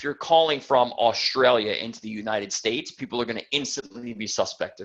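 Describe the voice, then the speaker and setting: Speaking fairly quickly, a man talks in a New York accent. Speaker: sales coach. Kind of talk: webinar Q&A. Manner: conversational, direct.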